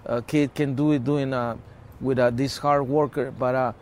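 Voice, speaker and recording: Halting man. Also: mid-range voice, flat delivery, a little mellow, slight background noise. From Mexico-California border region. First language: Spanish. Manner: halting, with many restarts and repeated words. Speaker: activist guest. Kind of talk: personal storytelling in conversation.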